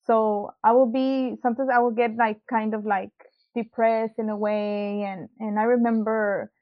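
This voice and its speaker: A young woman with a fairly high voice tells her story as a guest, hesitating often with ums and likes. She was born in Mexico and raised in South Texas. Her audio comes through dull and lo-fi. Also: level tone, moderate pace. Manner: hesitant, many ums and likes, laughs easily. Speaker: interview guest, musician. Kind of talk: casual personal testimony. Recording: dull lo-fi sound.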